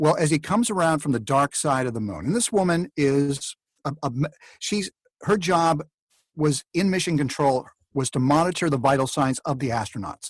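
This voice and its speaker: The speech moves at a moderate pace with lively intonation, and the sound is dry and close with no echo. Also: man, fairly high pitch for a man. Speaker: voice actor. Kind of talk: casual interview chat.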